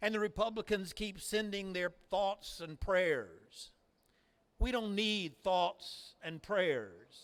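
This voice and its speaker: Here is a man with a high pitch and a Southern US accent. He talks very slowly, with ordinary pitch variation. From US South. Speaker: pastor. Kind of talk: vigil speech. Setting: outdoors. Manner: impassioned.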